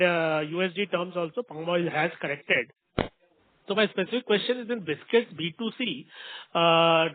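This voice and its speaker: A man with an Indian accent, a financial analyst putting questions on a business conference call. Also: high voice. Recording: tinny phone line.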